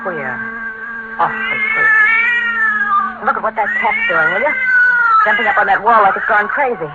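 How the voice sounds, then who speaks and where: A brassy streetwise blackmailer. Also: female voice, fairly high pitch, big pitch swings, moderate pace. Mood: suspicious. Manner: slangy, streetwise, calls him kid. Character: brassy scheming young woman, blackmailer. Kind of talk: 1940s radio acting. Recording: lo-fi 1940s radio broadcast, loud hiss.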